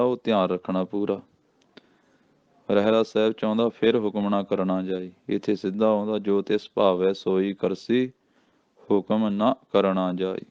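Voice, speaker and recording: A man with a Punjabi accent teaches scripture recitation in a very clear, even, low voice. He draws each verse out slowly, then adds quick spoken notes on how to say it. The sound is dry and slightly muffled. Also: no echo. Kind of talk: slow scripture recitation with pronunciation lesson.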